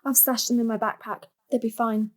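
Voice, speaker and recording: Determined young granddaughter, played by a woman: secretive activist, brisk, fairly high voice, audio drama. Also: fairly even intonation, lightly acted. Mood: matter-of-fact. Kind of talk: stage-style audio drama acting.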